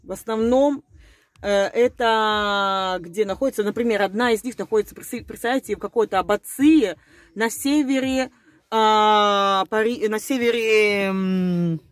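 A woman thinks aloud to her viewers in a loose, conspiratorial monologue, often breaking off mid-word and repeating herself as she turns words over. Her voice sits at a middle pitch. The recording is dry and close, with no room echo. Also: a little slow. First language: Russian. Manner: rambling, hesitant, breaks off words and repeats them. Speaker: video blogger. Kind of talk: casual speculative monologue to viewers.

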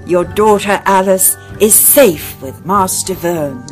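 An actor playing a polite, flustered, apologetic white rabbit gentleman in an audio drama. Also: mid-range voice, takes it slowly, faint music behind, natural voice. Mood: courteous. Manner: flustered, exclamatory, courteous.

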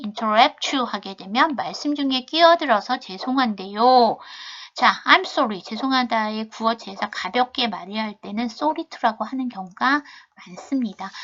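Bright-voiced woman teaching English slowly. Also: a little high, highs cut off. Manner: slow, careful model sentences in English between quick Korean explanations. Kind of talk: video lesson on travel English.

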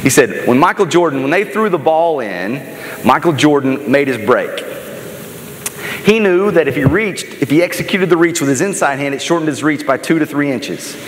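A middle-aged American motivational speaker, on the high side in pitch, uses lively intonation at a normal speed. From a large stage in an indoor auditorium he tells animated stories, emphatic, dramatic and conversational, captured in an echoey hall with noticeable noise behind him.

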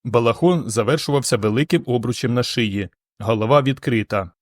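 Man calmly narrating an audiobook. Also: medium pitch, brisk, no room sound, studio quality. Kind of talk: scripted narration.

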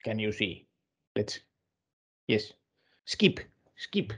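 Man doing a husky, halting, eccentric reporter. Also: lowish voice, very animated, full character voice. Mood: odd, halting. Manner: halting, repetitive, oddly emphatic. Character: eccentric, simple-minded male field reporter named Kalle. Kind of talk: comic news report.

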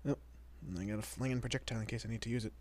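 A man playing a protective, easily bewildered young husband and father in an audio roleplay, with a husky, breathy, often whispering voice and halting, muttering delivery. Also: fairly low pitch, a little mellow, natural voice. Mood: groggy, confused. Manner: halting, muttering, mild swearing.

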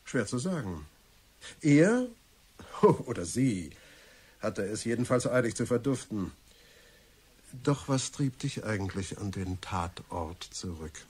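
Eager detective's sidekick, husky voice. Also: male voice, fairly low pitch, sing-song, takes it slowly, pauses often, a little mellow, exaggerated voice. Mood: intrigued. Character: eager, excitable male sidekick of an amateur sleuth. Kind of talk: German radio crime drama acting.

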